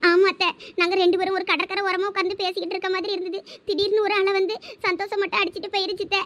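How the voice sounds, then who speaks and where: A woman's voice: very high voice, flat delivery, racing, fairly bright tone. A woman voicing a frightened, tearful young daughter-in-law in a cartoon with a Thoothukudi Tamil accent. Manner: tearful, fearful.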